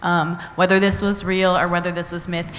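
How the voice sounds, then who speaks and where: A woman's voice: lowish voice, level tone, brisk. A woman author speaking on a stage panel, articulate and enthusiastic. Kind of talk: panel discussion. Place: auditorium stage before an audience. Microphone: table microphone. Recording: long hall reverb, faint ambience.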